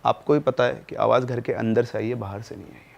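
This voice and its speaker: A man's voice: mid-range voice, fairly even intonation, a little fast, vocal fry, a little mellow, dull audio. A man voicing a frightened nine-year-old girl who insists she heard a voice. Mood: pleading. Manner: pleading, insistent.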